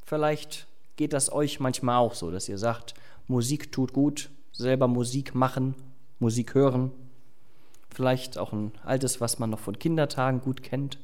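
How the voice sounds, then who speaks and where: In an unhurried way, a pastor preaches a sermon with Bible reading, moving between scripture and relaxed conversation with the congregation, filled with fillers and asides. His voice is medium in pitch with a darkish tone.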